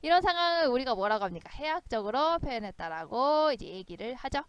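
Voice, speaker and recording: A woman's voice: high-pitched, very animated, quick pace, clean tone, no echo, lo-fi sound. A woman teacher explaining a poem in a chatty lecture, often asking the students questions.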